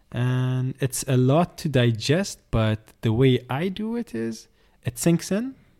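Lively intonation and a dark, mellow tone mark this voice with an Arabic accent, captured in a very clean recording with a silent background. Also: man. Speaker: fitness coach. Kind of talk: interview conversation.

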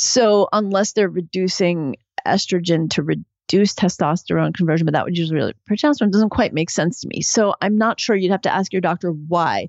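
A woman with a plain, everyday voice speaks at a medium pitch and fairly quick pace, with ordinary pitch variation and hardly any pauses. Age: 50s. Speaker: physician and midwife. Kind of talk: interview.

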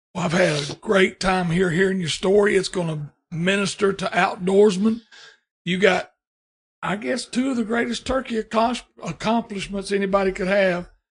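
Speaking with a Southern US accent, a man uses a high pitch and ordinary pitch variation. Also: moderate pace. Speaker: podcast host and storyteller. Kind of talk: scripted intro; casual interview.

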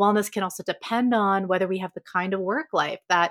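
A woman with a Canadian accent speaks in a normal speaking voice at a moderate pace, her pitch medium with ordinary variation. The sound is dry and close, with no echo. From Canada, Toronto. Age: 40s. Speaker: podcast host, therapist in training. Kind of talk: solo podcast monologue.

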